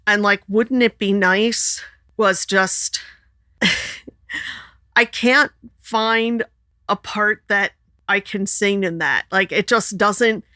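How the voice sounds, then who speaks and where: A woman's voice: drawn-out words, pauses often, bright, forceful tone, no echo, studio quality. A woman co-hosting a podcast, chatting casually and laughing often. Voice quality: sings alto and high tenor. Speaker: podcast co-host. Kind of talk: casual chat.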